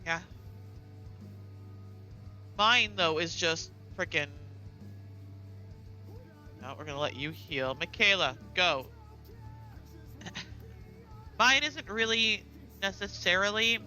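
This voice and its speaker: Chatty American woman gamer, bright voice. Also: lowish voice, very animated, slow pace, long pauses, soft background music. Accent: General American. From United States. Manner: chatty, rambling, lots of fillers and asides. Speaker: gaming streamer. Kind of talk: casual chat while playing a game.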